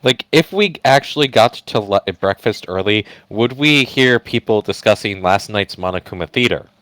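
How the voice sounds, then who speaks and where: Wry man with a lower voice. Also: animated, normal speed, a bit bright, dry recording, low-quality recording. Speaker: player reading in a group game stream. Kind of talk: casual commentary mixed with script reading. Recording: game music behind the voice.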